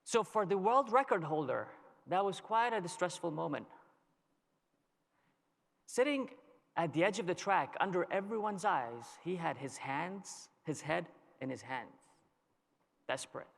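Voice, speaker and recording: A man's voice: high voice, expressive, vocal fry. Man giving a keynote in a reverberant hall. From Lebanon. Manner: storytelling, measured with dramatic pauses. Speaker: keynote speaker. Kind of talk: conference keynote speech. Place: large conference hall. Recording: long reverb of a large hall.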